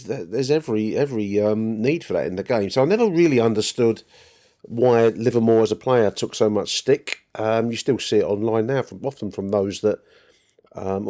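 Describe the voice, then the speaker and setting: A man's voice: mid-range voice, darkish tone. A man hosting a football podcast, chatting through his opinions in a rambling way and repeating words as he thinks. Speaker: podcast host. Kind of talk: conversational football commentary.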